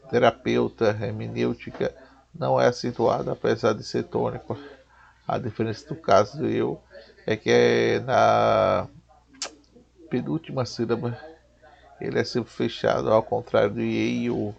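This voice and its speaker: Brazilian guy teaching spelling, slow and halting, flat low voice, gravelly, dull lo-fi sound. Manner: slow, halting, restarts words and lists. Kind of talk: reading a Portuguese spelling lesson. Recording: dull lo-fi recording.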